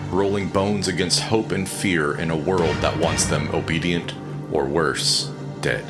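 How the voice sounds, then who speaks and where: A man's voice: very deep voice, steady tone. A man giving dramatic, ominous trailer narration over music. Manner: ominous, measured delivery.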